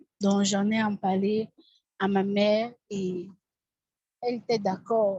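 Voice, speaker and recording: Her voice is somewhat breathy, and this woman's pitch is fairly high. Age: 20s. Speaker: anonymous witness of domestic violence. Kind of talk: testimony.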